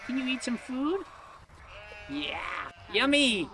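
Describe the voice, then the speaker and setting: A woman's voice: high voice, very animated, takes it slowly, bright, forceful tone, slight background noise. A woman presenting for children, playfully exclaiming and asking simple questions. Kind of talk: playful children's educational chat.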